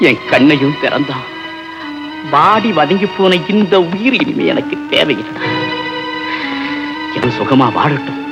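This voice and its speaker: A man's voice: mid-range voice, dull audio. A man playing a guilty father confessing his treachery in dramatic 1960s film dialogue. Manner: anguished confession, dramatic swings. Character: guilty older father confessing past wrongs. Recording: old film soundtrack with loud music.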